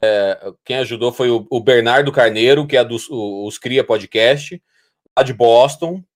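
A man's voice: mid-range voice, a little slow. A man with a Brazilian Portuguese accent in casual podcast conversation, informal and slangy, often repeating phrases. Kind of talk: casual podcast chat and anecdote.

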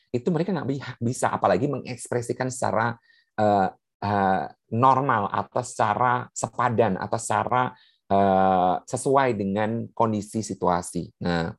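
A woman's voice: rumbling low, dry recording. A woman gives a seminar talk, explaining points one by one many fillers. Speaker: speaker on puberty in children with special needs.

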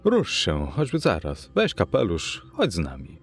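Grave old lawyer in a storybook reading, earnest and troubled, a man doing the voice, very deep tone with lively, rising and falling intonation. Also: unhurried, slightly rough, faint music behind, full character voice. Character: gloomy elderly male lawyer, anxious and earnest.

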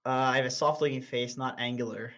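A man's voice: mid-range voice, steady tone, fast talker, fairly bright tone. Young man, casual stream chat, blunt, laughs a lot, stumbles over words.

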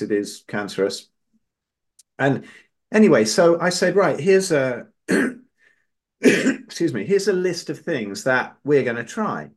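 A man hosting a podcast, telling a long personal story casually, his voice jumping up when he quotes others. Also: on the low side. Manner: animated, rises sharply when quoting others. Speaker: podcast host.

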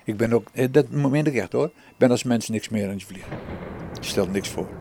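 A man who sailed alone, speaking slowly and thoughtfully with pauses in a reflective documentary interview. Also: medium pitch, vocal fry, background noise. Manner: slow, thoughtful, with pauses and hesitations. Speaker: solo sailor.

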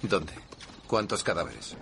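A reserved frontier lawman in a dubbed drama. His voice is very low but moves around, and faint outdoor night noise sits behind him. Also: sing-song, slow pace, vocal fry, exaggerated voice. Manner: reserved, quiet.

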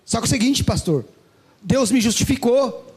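A man voicing a meek, polite young man asking to join a church, in a husky high voice. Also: animated, moderate pace, full character voice.

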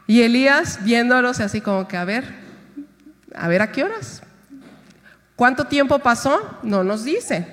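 A woman's voice: high voice, a bit bright. Woman pastor preaching in a reverberant hall. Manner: storytelling, acting out scripture voices. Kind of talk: sermon.

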